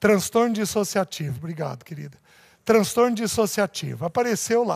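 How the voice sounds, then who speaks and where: A man talks at a moderate pace in a high pitch with lively intonation. The recording is very clean with a silent background. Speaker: preacher. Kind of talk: sermon.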